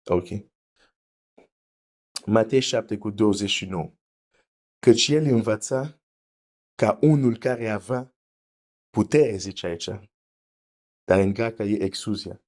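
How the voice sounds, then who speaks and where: A man's voice: on the low side, a little mellow. A man preaching a teaching sermon, explaining carefully, repeating his points and reading scripture aloud.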